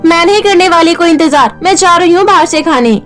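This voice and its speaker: A woman's voice: very high voice, lively intonation, brisk, fairly bright tone, faint music behind, pitched above the performer's own voice. A woman voicing a spoiled, demanding young woman in a cartoon story, petulant and whiny. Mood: petulant angry.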